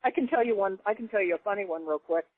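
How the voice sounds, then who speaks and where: A woman guest on a radio talk show telling stories in an animated, laughing way. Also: medium pitch, fast. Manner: animated storyteller, laughs often. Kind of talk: casual radio chat. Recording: dry phone-line call audio.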